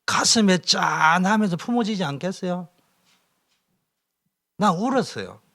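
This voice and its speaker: Male pastor, fairly high voice, very animated, drops to whispers. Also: a little slow. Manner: emotional, swings from loud exhortation to whispers. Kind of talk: sermon-style training lecture.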